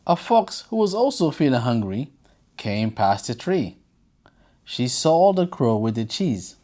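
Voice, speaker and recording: A children's storytelling presenter with a mid-pitched voice that moves around a great deal. The delivery is informal and expressive, encouraging listeners like a friendly read-along host. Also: unhurried. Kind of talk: children's read-aloud storytelling with casual chat to viewers.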